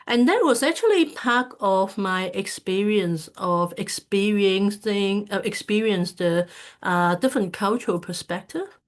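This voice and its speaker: A woman's voice: medium pitch, expressive, measured pace. A woman from Hong Kong giving a casual talk over a video call, hesitant and full of fillers and restarts. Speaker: speaker at an online community event.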